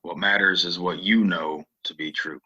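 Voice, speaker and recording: Guy acting a troubled cowboy war vet, really low husky voice, earnest and polite, kinda muffled recording. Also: steady tone, moderate pace, sharp tone, heavily acted. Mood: gentle, reflective. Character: troubled, soft-spoken male stranger, war veteran in Western town. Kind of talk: Western audio drama acting.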